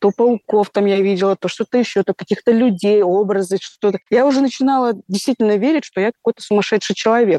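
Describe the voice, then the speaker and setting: A woman speaks at a very fast pace with medium pitch, ordinary pitch variation and a dark, mellow tone. Her loudness stays very even, and the sound is dry and close with no echo. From Dagestan, Russia (village). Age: 30s. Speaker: guest sharing personal story. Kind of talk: personal testimony.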